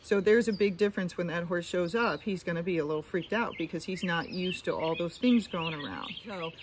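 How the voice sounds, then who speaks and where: A woman's voice: on the low side, animated, a little fast, a little hiss or hum. A middle-aged woman horse trainer talking to camera outdoors, giving practical advice and repeating her points. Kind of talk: instructional talk to camera. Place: outdoor deck among trees. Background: birdsong and outdoor ambience.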